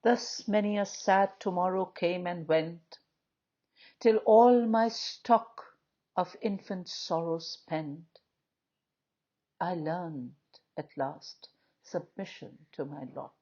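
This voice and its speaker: Female poetry reader, lowish husky voice, solemn and measured dramatic delivery, slightly muffled lo-fi sound. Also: mellow. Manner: measured, declamatory, with frequent pauses between short phrases.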